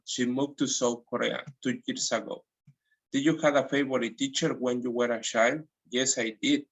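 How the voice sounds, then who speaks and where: A man with a Mexican Spanish accent, teaching English from a textbook and reading the lines slowly with restarts. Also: mid-range voice, a bit bright, low-quality recording. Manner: reads slowly, with restarts and nonstandard grammar. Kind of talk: textbook lesson, repeating audio lines.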